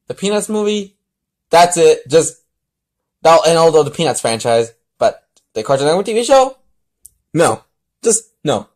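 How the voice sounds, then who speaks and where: A man in a casual, halting vlog style, rambling and restarting as he hosts a fan fiction reading. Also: a little high, very animated, darkish tone.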